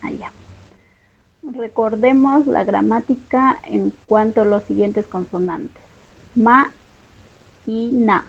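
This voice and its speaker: A woman's voice: a little high, slow, creaky, long pauses, slightly rough. A woman, a student reading aloud and answering in an online class. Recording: muffled online call, faint noise.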